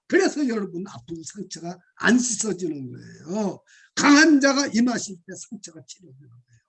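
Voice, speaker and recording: A male pastor with a very high voice delivers a sermon. He urges the congregation to shout along with him and often rises to loud, fervent exclamations.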